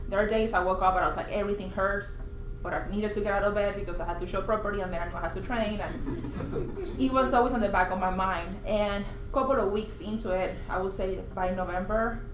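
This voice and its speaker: Woman from puerto rico chatting at a team meeting, echoey office room, far camera. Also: medium pitch. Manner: chatty, animated retelling with quoted asides. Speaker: interviewed agent. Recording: echoey room, faint hiss.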